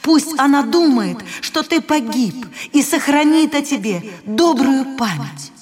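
A woman voicing the soft, imploring voice of a magic heart in a radio fairy tale, slow and high. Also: animated, recorded from a distance. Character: gentle pleading voice from a heart.

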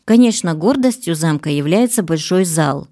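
A woman's voice: fairly low pitch, animated, normal speed, mellow. A woman radio reporter reading scripted feature narration.

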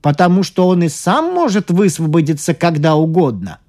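A woman voicing a self-assured male scientist who explains in a calm, lecturing way. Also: fairly low pitch, moderate pace, pitched above the performer's own voice.

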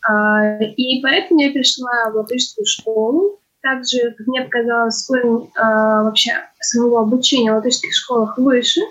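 A woman's voice: a little high, steady tone, moderate pace, few pauses, fairly bright tone, lo-fi sound, faint music behind. A teenage girl, a student guest talking eagerly and casually with some fillers. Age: teens. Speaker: guest, high school student. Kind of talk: casual talk.

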